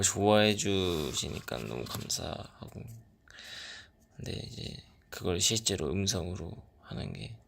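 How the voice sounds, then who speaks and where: A young man chatting casually with fans on a livestream, soft-spoken and short on sleep, often dropping into a near whisper. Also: deep voice, vocal fry, slight background noise. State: sleep-deprived. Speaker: idol on a fan livestream. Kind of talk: casual livestream chat reading fan comments.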